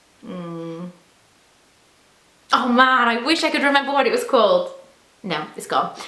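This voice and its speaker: A woman speaks with audible room echo. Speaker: beauty vlogger. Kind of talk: casual chat.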